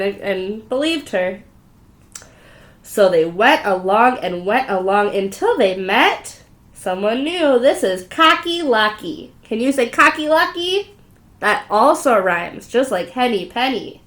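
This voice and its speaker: A woman's voice: on the high side, expressive, a little slow, fairly bright tone. A woman teacher giving an interactive storybook read-aloud for young children, repeating words and asking questions to invite answers. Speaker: preschool teacher reading aloud.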